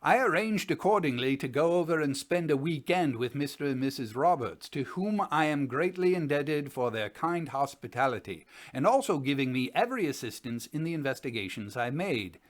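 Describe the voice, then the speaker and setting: Older male investigator actor, 60s, formal period chronicle, lighter high pitch, highly expressive intonation. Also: moderate pace, few pauses, lightly acted. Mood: formal, assured. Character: gentlemanly older Edwardian physicist chronicling his ghost investigation. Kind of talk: dramatic reading of a written chronicle. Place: indoors, home study.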